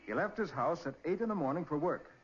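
American master detective, 1940s radio crime drama: shrewd, authoritative, slightly rough voice, muffled vintage recording. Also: male voice, a little high, lively intonation, fast talker. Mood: explaining, puzzled. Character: shrewd, composed male master detective leading a murder case.

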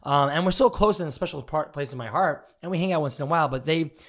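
A man of about thirty who hosts a casual interview podcast. He talks fast and piles up fillers and restarts as he works toward his point. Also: a little high, a bit bright. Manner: rambling, with many fillers and restarts. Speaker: podcast host.

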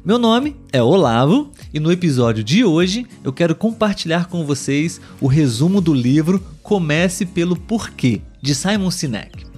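A Brazilian man hosting a podcast for Portuguese learners. He talks alone in a clear, patient way and keeps checking in with his listeners. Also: a little high, very animated, a little slow, hardly any pauses, darkish tone, faint music behind. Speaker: podcast host and Portuguese tutor. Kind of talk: solo educational podcast monologue for learners.

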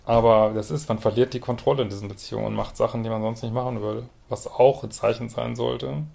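A man's voice: mid-range voice, fairly even intonation, fast, gravelly, a little mellow. A man hosting a podcast as a couples therapist, commenting bluntly and directly on a listener's letter and often ending with a questioning "ne?".

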